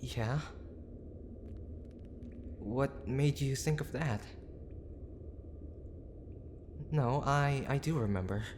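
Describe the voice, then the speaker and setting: A man acting a gruff but tender young boyfriend who is desperately worried, speaking in a halting, pleading, intimate way for an audio roleplay. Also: mid-range voice, background noise, close to an everyday voice. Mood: fond, wistful. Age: young adult. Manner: halting, pleading, with sighs and breathy asides.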